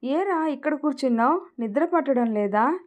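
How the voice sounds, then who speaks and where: A woman's voice: sits high, lively intonation, normal speed. A woman voicing a loving young husband who tenderly pleads and comforts, in an emotional audio story. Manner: affectionate, pleading.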